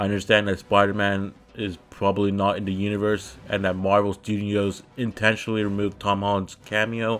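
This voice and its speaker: Delivered in an American accent, the speech has hardly any pauses. The intonation is monotone and flat. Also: man, fairly low pitch for a man, fairly quick pace. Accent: American-sounding. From UK. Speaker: YouTube film reviewer. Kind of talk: video essay commentary.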